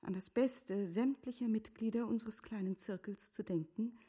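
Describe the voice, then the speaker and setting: An actress playing a composed, earnest middle-aged wife in a literary radio drama, speaking formally with a breathy, often hushed delivery. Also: female voice, on the high side, moderate pace. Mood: measured, earnest.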